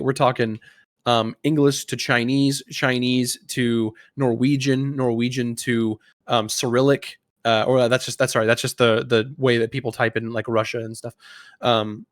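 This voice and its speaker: Male podcast host, casual quiz-master delivery, mid pitch, very dry recording. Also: no echo. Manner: informal, conversational. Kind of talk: casual gaming podcast chat, explaining a quiz game.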